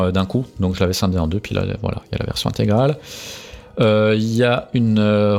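A man's voice: lowish voice, darkish tone. A man being interviewed about his music, talking casually with many hesitations and restarts. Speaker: musician guest.

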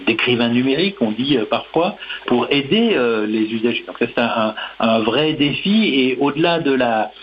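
A man's voice: mid-range voice, lo-fi sound, a little hiss or hum. A man speaking as a guest on a radio discussion, talking with many fillers and restarts.

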